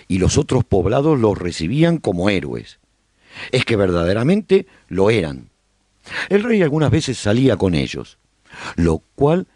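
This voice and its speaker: A man's voice: sits low, mellow, slightly rough, dry recording, clean studio sound, heavily acted. A man playing a survivor who hosts a radio broadcast, narrating a post-apocalyptic chronicle as a scripted radio serial.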